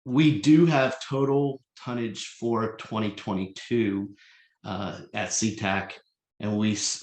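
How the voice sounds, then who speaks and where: A man giving a slide presentation at a virtual public meeting as a consultant, speaking in a measured, explanatory but halting and hesitant way. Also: lowish voice. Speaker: consultant presenting an air cargo forecast. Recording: echoey, roomy voice pickup.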